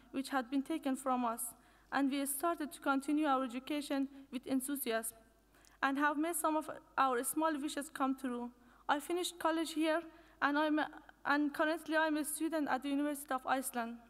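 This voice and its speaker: High-voiced young woman speaking in a hall. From Iran. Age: young adult. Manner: measured, earnest, reads from notes with restarts. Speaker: conference speaker. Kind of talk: prepared speech. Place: conference hall. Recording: long reverb of a lecture hall.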